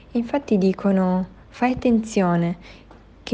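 Somewhat breathy female voice, dark and mellow in tone. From Romania. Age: 20s. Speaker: university student. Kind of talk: personal testimony.

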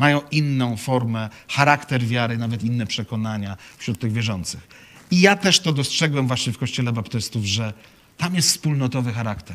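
At a moderate pace, a man with a plain, everyday voice talks at medium pitch with lively intonation. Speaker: pastor and psychologist. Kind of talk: lecture.

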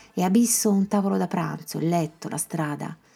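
A woman speaks with a dark, mellow tone and a fairly low pitch. Her voice is somewhat breathy. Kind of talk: poetic spoken word, lyrical reading of literary prose. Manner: slow, measured, intimate and evocative, with deliberate pauses.

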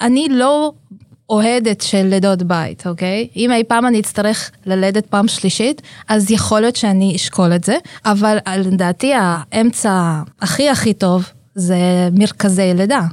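On a very clean recording with a silent background, a woman with an unremarkable speaking voice talks at a medium pitch and a fairly slow pace, with ordinary pitch variation and very even loudness. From Russian-speaking immigrant family in Israel. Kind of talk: casual chat. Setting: studio.

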